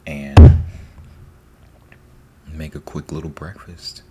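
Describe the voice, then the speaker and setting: A man giving a soft-spoken ASMR ramble, breathy and often near a whisper, informal and repeating himself, close to the microphone. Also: extremely low pitch, monotone, slow, soft background music. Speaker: ASMR host. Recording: faint background noise.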